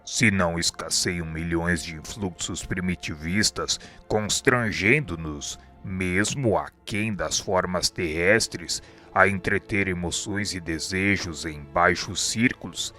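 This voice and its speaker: An actor with a Brazilian accent playing a wise, dignified male spirit instructor, lecturing in a formal, measured, solemn radio drama style. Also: deep voice, bright, forceful tone, soft background music, heavily acted. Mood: solemn, instructive.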